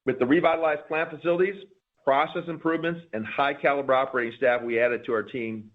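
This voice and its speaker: A man reading a prepared corporate presentation in a formal, measured way, as a company executive on an earnings call. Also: medium pitch, fairly even intonation. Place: conference call. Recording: narrow, phone-like conference call line.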